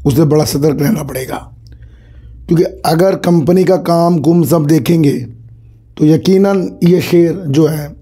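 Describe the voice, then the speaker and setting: Hoarse man talking stock market news. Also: on the high side, a little slow, warm tone. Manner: conversational, addresses viewers as sir, repeats phrases. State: hoarse from a cold. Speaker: stock market channel host. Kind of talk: casual market commentary to camera.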